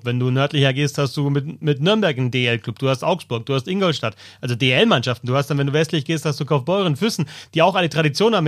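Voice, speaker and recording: A man's voice: on the high side, no echo, studio quality. A man, thinking aloud and listing examples in a casual sports podcast chat.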